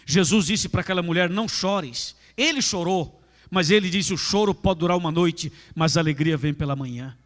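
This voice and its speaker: Male pastor, Brazilian Portuguese accent, high voice, emphatic sermon, long church reverb. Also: moderate pace. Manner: emphatic, repetitive preaching, addresses listeners directly. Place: large church with a gallery. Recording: echoey church hall.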